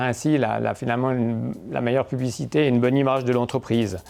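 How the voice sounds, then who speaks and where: With music in the background, a man speaks at a medium pitch. He talks in a Vaud accent. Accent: Vaud Swiss French. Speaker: property management company director. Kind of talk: interview answer. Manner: calm, reassuring.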